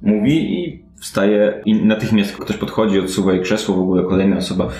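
Low-voiced man narrating a tabletop game. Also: fairly even intonation, fairly quick, mellow. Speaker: game master. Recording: echoey room with clear background noise.

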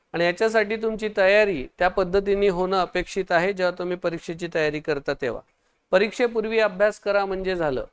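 Quizzing his audience during an online exam-prep session, this man urges them to respond quickly and praises their comments. He speaks high-pitched, with a clear and resonant sound.

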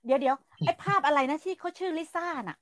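A woman's voice: high-pitched, sing-song, fairly quick, fairly bright tone, no room sound, poor audio. A middle-aged woman from Thailand hosting a casual livestream chat, blunt and ranting, swearing freely and stretching her polite endings for emphasis. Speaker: livestream host.

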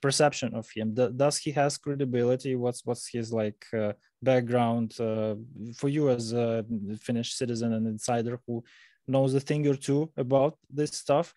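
A man in his thirties with a Russian accent hosting a podcast, halting and searching for words as he asks questions. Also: medium pitch, steady tone, mellow, no room sound. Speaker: podcast host. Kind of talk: casual interview talk. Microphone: large mic on a video call.

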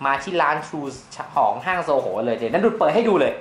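A man hosting a casual phone comparison in a phone shop, chatty and animated as he hypes results. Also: a little high, a little fast, slight background noise. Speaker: tech review host. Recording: echoey room with faint music.

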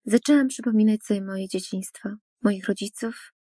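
Female storyteller with a husky, mellow voice for an animated first-person story, earnest, dry studio read. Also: mid-range voice, normal speed, no echo. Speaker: narrator.

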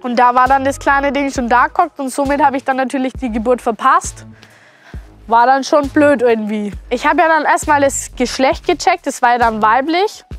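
High-voiced young woman farmer. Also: moderate pace, fairly bright tone, soft background music. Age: 20s. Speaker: farmer, vlog host. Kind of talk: casual interview to camera. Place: open-sided cattle barn. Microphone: clip-on lapel.

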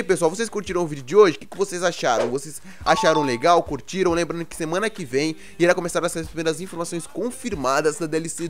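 Fast-talking Brazilian gaming host. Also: male voice, on the high side. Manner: chatty, keeps asking "né, galera?". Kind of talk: casual game news vlog.

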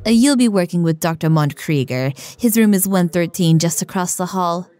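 A woman's voice: lowish voice, normal speed, warm tone, faint music behind, lightly acted. A woman playing a welcoming, businesslike medical receptionist in an audio drama, polite in manner.

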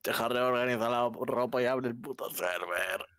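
A man's voice: medium pitch, moderate pace, fairly bright tone, clean tone, no room sound, studio quality. A man with an accent from Spain, trading crude, joking banter casually in a gaming voice chat. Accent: Spanish, from Spain.

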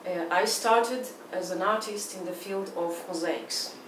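A woman's voice: fairly low pitch, measured pace. A woman in her forties from Israel, with an Israeli accent and Hebrew as her first language, answering interview questions thoughtfully and often restarting her phrases. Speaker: artist guest. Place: indoor room with plain walls. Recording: echoey room, distant mic, faint hiss.

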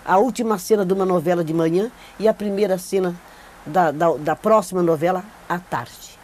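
An older Brazilian actress with a long career sits in an indoor studio against a plain backdrop for a recorded oral-history testimony, speaking animatedly and with emphatic repetition. Her voice is lowish and a little mellow at a normal speed. Her clip-on lapel mic catches slight background noise.

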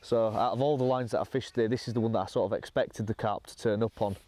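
A young man talking casually to camera while fishing from a lake bank outdoors, explaining his session in a relaxed, matter-of-fact way. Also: lowish voice, quick pace, a little hiss or hum. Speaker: angler presenting a fishing session.

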